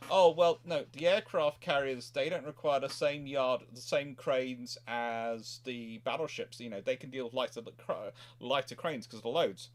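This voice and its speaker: A man with a mid-pitched voice hosts a casual history chat. He rambles, digresses and breaks off his own sentences to restart them from another angle. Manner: rambling, digressive, self-interrupting. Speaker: host, naval historian.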